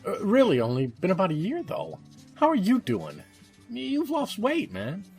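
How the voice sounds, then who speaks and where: A very animated man's voice, as a jovial eye surgeon in an audio drama. His pitch leaps around as he jokes and chats genially over faint music. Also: moderate pace, heavily acted. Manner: genial, joking, chatty. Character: jovial, joking male eye surgeon, old buddy.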